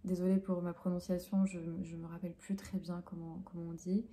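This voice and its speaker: A woman's voice: lowish voice, little pitch movement, fairly quick, warm tone. A young Frenchwoman who teaches French, answering interview questions in a hesitant way with many fillers and self-corrections. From France.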